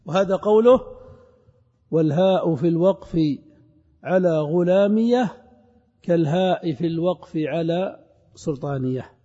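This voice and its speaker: A man giving a classroom grammar lesson. He asks questions and answers them himself, and he repeats each example slowly. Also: a little high, mellow. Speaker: grammar teacher. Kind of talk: classroom lecture on Arabic grammar. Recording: dull lo-fi recording with long hall reverb.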